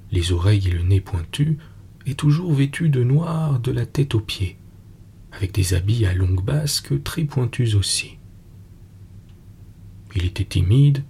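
A man narrating a classic fairy tale in French, measured and unhurried. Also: mid-range voice, vocal fry, dark tone, slightly rough.

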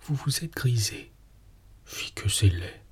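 A man voicing an affectionate, teasing young wife in a whispered role-play, breathy and soft. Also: medium pitch, animated, slow, exaggerated voice. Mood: mock-stern. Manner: coaxing, gently teasing.

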